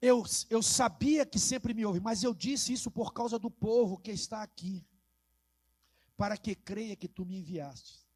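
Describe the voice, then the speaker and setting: A man preaching a charismatic sermon as an apostle, swinging between shouted proclamations and hushed near-whispers, with rhythmic repetition and calls for the church to repeat after him. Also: sits high, measured pace.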